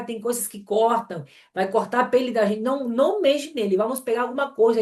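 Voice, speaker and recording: A woman telling a dream testimony in a fervent, storytelling way, often checking in with the listener and raising her voice when she reenacts shouting. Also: mid-range voice. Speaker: evangelist sharing a testimony.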